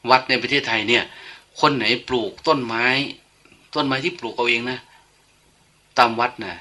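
A man's voice: mid-range voice, normal speed, pushed and bright. An older man, a monk, giving an informal, chatty sermon full of anecdotes and light humor. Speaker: monk giving a dharma talk.

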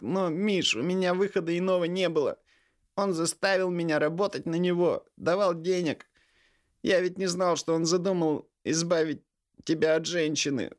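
A man's voice: a little high, voice pushed up, natural voice. A man voicing a cowardly, terrified younger brother in his late twenties who whines and pleads in a trembling voice. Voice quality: whiny, trembling. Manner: pleading and whimpering. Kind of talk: audiobook character voice.

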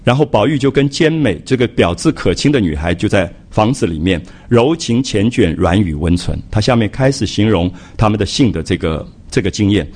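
A man's voice: lowish voice, lively intonation, fairly quick, few pauses, a little mellow. An older man lecturing an audience on a classic novel, speaking in a reflective, conversational way with frequent "ah" fillers and repeated phrases. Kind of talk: public lecture to a live audience.

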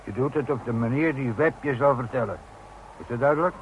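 A man plays a blunt foreman in a radio play. He is middle-pitched, authoritative and short on patience. Faint noise sits on the old recording. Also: brisk, natural voice, rough recording. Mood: stern. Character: gruff, commanding male site boss, impatient with backtalk. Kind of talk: Dutch radio drama acting.

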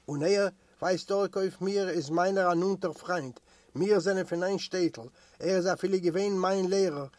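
A man's voice: high-pitched, moderate pace, darkish tone, dry recording, natural voice. A man voicing a young male prisoner who serves as a ward orderly, speaking plainly and earnestly in an audiobook reading.

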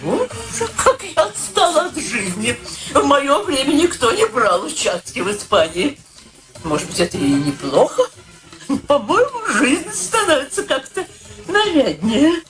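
Old pushy sentimental mom, highish lively voice, radio play w music behind. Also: female voice, a little slow, exaggerated voice, rough recording. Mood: naive wonder. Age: older. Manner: talkative, solemn, theatrical. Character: ailing, sentimental, pushy elderly mother matchmaking her daughter. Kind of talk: stage-like Russian radio drama acting.

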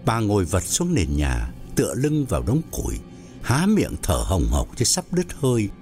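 Expressive male storyteller. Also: lowish voice, moderate pace, faint music behind. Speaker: narrator. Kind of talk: audio story narration.

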